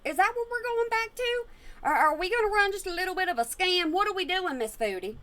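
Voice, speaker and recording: A woman's voice: very high voice, animated, fairly quick, a bit bright. A woman hosting a reaction video at home, making sarcastic, sassy remarks back at a clip. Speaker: reaction channel host. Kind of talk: casual commentary over a clip.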